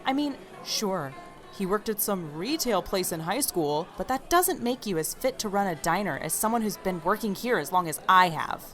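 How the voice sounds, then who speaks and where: Animated, fed-up young waitress played by a woman. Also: medium pitch, moderate pace, soft background music, lightly acted. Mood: indignant. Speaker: podcast drama actress. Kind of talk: naturalistic audio drama acting.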